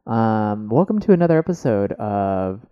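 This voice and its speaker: A man co-hosting a casual podcast, playful and animated, often jumping up in pitch when surprised. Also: normal speed, clean tone, dull audio. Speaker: podcast co-host. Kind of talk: casual chat.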